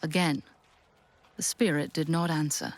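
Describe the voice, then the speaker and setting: A woman narrating a Victorian audio drama in measured, deliberate, weighty phrases. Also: low-pitched, fairly even intonation. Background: soft ambient soundscape.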